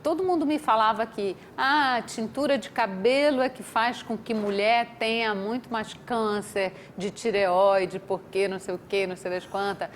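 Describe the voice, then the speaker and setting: A female TV host at a studio desk who leads an interview in a lively, chatty manner. Her voice sits at a middle pitch for a woman. There is a faint noise underneath her speech. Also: normal speed, few pauses. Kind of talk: TV talk show hosting.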